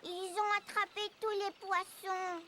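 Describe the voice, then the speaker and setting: A woman's voice: little pitch movement, unhurried, a little hiss or hum, heavily acted. A woman voicing a cheerful, curious four-year-old cartoon boy who pleads eagerly. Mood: playful. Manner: eager, pleading, high childlike voice. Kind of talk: French-dubbed cartoon acting. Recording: loud music bed.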